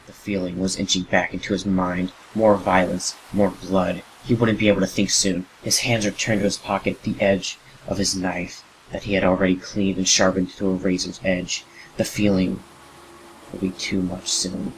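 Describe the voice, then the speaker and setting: A man's voice: low voice, little pitch movement, normal speed, slight background noise, poor audio. A man narrating a scripted horror story as the narrator of an audio drama.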